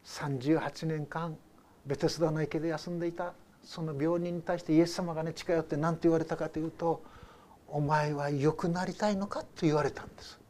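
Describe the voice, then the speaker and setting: An older male pastor preaching a sermon with a fairly high voice. He talks in a loose, conversational way, telling stories and putting questions to his listeners. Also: steady tone, a little fast, a little mellow. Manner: conversational storytelling with rhetorical questions.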